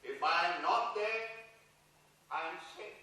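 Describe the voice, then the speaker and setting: A man's voice: high-pitched, slow pace, pushed and bright, heavily acted. A man playing a reserved, awkward English mathematics don, hesitant and understated, in a play reading. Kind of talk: dramatised stage play reading. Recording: echoey hall, far from mic.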